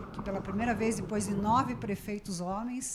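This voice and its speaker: A woman speaks at a moderate pace with fairly even intonation and a medium pitch, over noticeable background noise. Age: 60s. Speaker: mayor, retired pharmacist. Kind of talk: podcast conversation.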